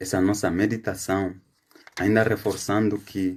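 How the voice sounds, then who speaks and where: The man speaks at a very slow pace. His pitch is fairly low. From Angola. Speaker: Salesian religious, preacher. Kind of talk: homily reflection. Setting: live stream. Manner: slightly halting with fillers.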